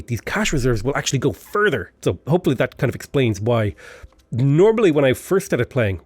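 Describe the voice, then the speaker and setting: A man with a stuffy voice from a mild cold, walking through a strategy game in easy, chatty commentary. His pitch rises and falls a lot as he explains, often restarting his sentences. The close, dry sound carries no room echo. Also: a little mellow. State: stuffy, a bit unwell. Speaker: game tutorial host. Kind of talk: casual gameplay commentary.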